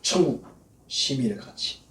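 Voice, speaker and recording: A slightly bright male voice moves at a measured pace as a pastor preaches in a church sanctuary. He uses a folksy storytelling approach and acts out quoted prayers mockingly, sounding distant in the echoey hall.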